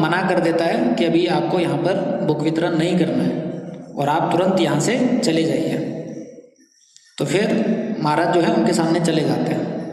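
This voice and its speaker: A man preaching, telling a devotional story in a lively way and acting out the dialogue. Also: on the high side. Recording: echoey hall, voice from far off.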